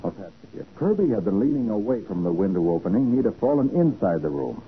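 An actor playing a confident, quick-thinking private detective in a 1940s radio crime drama. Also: male voice, fairly low pitch, very animated. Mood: reasoning, assured. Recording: narrow 1940s radio recording, faint hiss.

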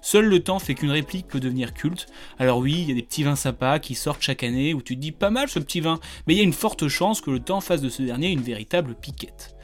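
A man's voice: a little high, animated, quick pace, few pauses, soft background music. A man hosting a podcast, joking through a scripted intro and then chatting casually in a wry manner. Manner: wry, joking, full of wordplay. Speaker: podcast host.

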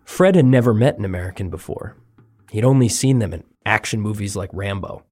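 A man hosting a documentary podcast, reading scripted narration in a measured, even way. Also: fairly low pitch, husky, dry recording, studio quality. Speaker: podcast host.

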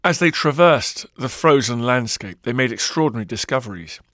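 A man's voice: mid-range voice, expressive, brisk, fairly bright tone, no echo, studio quality. A man narrating a scripted history documentary with dramatic, varied emphasis.

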